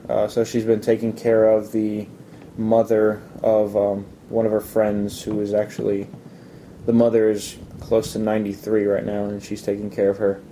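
A man with a very dark, soft-edged voice gives casual interview answers. His pitch sits fairly low and moves little, and he explains things in a measured, hesitant way over a faint low rumble. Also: completely flat delivery, low-quality recording. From Italy. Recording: low rumbling background noise.

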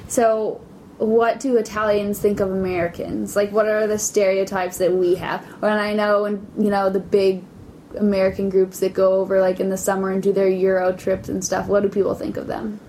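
A woman's voice: medium pitch, little pitch movement, moderate pace, warm tone, slight background noise, rough recording. A woman interviewing casually, curious and loose, with many fillers in her questions. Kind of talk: casual chat.

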